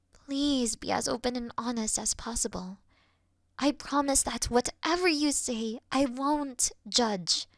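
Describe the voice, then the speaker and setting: Woman acting a gentle, high-voiced caring best friend. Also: no room sound, studio quality, exaggerated voice. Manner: soft, soothing, reassuring, sighing, dropping into breathy murmurs. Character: caring, gentle young female best friend, patient and worried. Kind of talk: roleplay audio, intimate one-sided phone call.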